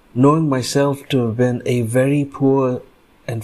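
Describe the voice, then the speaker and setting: With an Indian accent, a man speaks at a fairly slow pace in a medium pitch with monotone, flat intonation. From India (Karnataka). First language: Kannada. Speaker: essayist. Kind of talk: reading aloud. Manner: formal.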